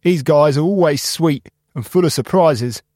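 A man's voice: fairly high pitch, a little slow, mellow, no echo, clean studio sound, voice pushed up. A man voicing a friendly junkyard guide who talks in a cheerful, folksy way. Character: friendly older male junk guide, cheerful and kind.

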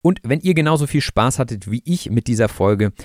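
A man hosting a language podcast, calmly and clearly explaining the meaning of words to learners. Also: mid-range voice, fairly quick, no echo, studio quality. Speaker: podcast host and language teacher.

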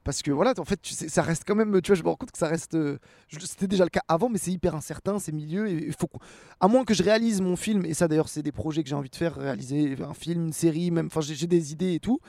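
Guest, twenties, French man; loose rambling talk, fillers, slightly high voice. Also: fast talker, creaky, no room sound, studio quality. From France. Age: 20s. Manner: relaxed, rambling, many fillers and restarts. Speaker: actor and rapper guest. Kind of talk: casual interview answers.

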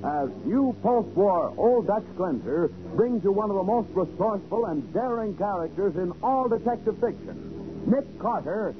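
High-pitched American 1940s radio announcer man. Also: expressive, a little slow, background noise. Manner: emphatic, declamatory. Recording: dull vintage radio recording with loud music.

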